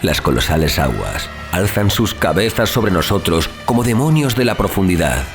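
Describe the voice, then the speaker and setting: Deep-voiced solemn male storyteller over music. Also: sing-song, normal speed. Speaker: audiobook narrator. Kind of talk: dramatic scripted narration of a horror tale.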